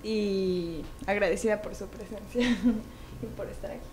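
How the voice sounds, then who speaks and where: Young Ecuadorian woman, medium pitch. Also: a little slow, a little mellow, slight background noise. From Quito, Ecuador. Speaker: interview guest, student. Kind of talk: unscripted conversational interview answers.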